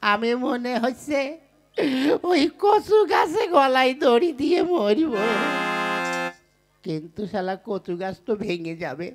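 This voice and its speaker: A woman's voice: fairly high pitch, very animated, takes it slowly, long pauses, soft background music, voice pushed up. A woman voicing a clumsy, half-mad young village man in a puppet show, mumbling and mangling names as he pines for a girl. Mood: despairing. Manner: bumbling, mumbling, mispronounces names.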